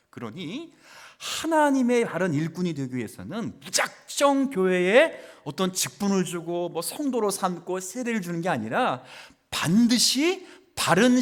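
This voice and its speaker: Male pastor, sermon, high voice, very lively pitch, loud calls and hushed whispers, asks the congregation questions. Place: church sanctuary.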